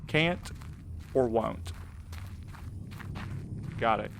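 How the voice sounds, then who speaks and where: A man's voice: lowish voice, very slow, vocal fry, fairly bright tone, slight background noise, exaggerated voice. A man playing a wry, exasperated, wary supernatural mail courier in an audio drama, talking in a colloquial, needling way. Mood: bitter, accusing.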